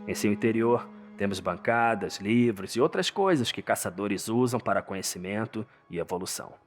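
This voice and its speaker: Male Brazilian narrator, lowish voice, theatrical suspense for a dark fantasy audio drama, music underneath. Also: moderate pace. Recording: music behind the voice.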